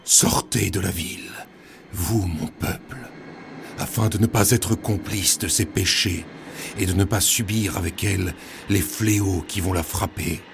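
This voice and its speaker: An ominous low-voiced prophet of doom. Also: male voice, fairly even intonation, unhurried, vocal fry, background noise. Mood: dark, ominous. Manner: declamatory, ominous, incantatory. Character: thundering biblical prophet proclaiming doom. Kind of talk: dramatic scripture recitation in audio fiction.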